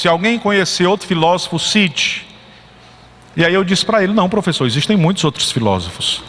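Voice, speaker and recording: A man preaching a sermon as a pastor, telling a story and rising into fervent, shouted praise. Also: a little high, a little hiss or hum. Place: church. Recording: church hall reverb, faint ambience.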